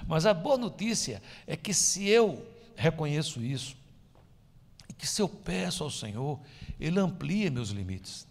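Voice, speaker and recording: Guy preaching in a church hall, swings loud to hushed, big lively pitch, lots of echo. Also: a little slow, vocal fry. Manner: emphatic preaching with sudden drops to soft, near-whispered lines. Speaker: pastor. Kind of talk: sermon. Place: church sanctuary.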